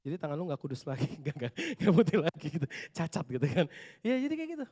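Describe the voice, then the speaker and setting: Male youth pastor, slangy and animated sermon, hushed asides to shouted bursts. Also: fairly high pitch, fast talker. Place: church hall.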